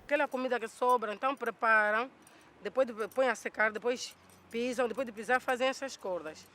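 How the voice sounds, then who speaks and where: A man speaking in a documentary interview, animated and piling up lists and repetitions. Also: very high-pitched, brisk, slight background noise.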